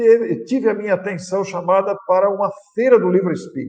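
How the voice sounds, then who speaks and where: The man speaks at a high pitch. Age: 60s. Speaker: spiritist speaker and writer. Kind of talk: interview.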